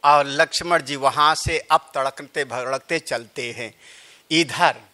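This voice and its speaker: A man's voice: medium pitch, slow, sharp tone. A man, a Hindu spiritual leader, telling a scripture story as a sermon, with chatty joking asides to his listeners.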